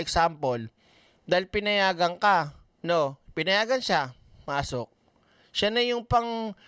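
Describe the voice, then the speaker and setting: A man's voice: high voice, fairly bright tone, smooth, dry recording, clean studio sound. A man doing casual ranting commentary, blunt and swearing often, reading viewer comments aloud. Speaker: online commentator.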